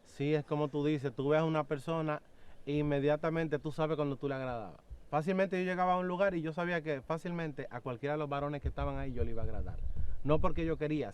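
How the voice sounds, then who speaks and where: A young man giving an earnest, halting personal testimony in an interview, acting out quotes as he tells it. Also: on the high side, a little mellow, clean tone. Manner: earnest, halting, with many fillers and acted-out quotes.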